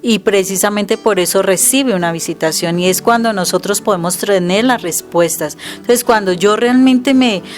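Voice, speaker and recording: A woman's voice: mid-range voice, normal speed, hardly any pauses, soft background music. A middle-aged Colombian woman, a Catholic missionary co-hosting, who explains prayer in an earnest, emphatic way and quotes scripture aloud. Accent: Colombian Spanish. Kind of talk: conversational religious teaching.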